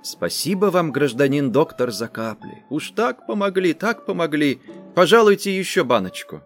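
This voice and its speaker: A man voicing a flattering, fussy peasant woman of thirty who talks in a wheedling singsong. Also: moderate pace, faint music behind. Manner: singsong, wheedling, high-pitched.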